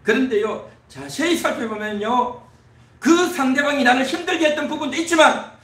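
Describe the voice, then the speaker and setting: A man's voice: very high-pitched, normal speed, fairly bright tone. A man preaching a Sunday sermon as pastor, building emphasis through repeated phrases. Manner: preaching with rising emphatic repetition. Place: church sanctuary. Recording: echoey church hall, distant mic.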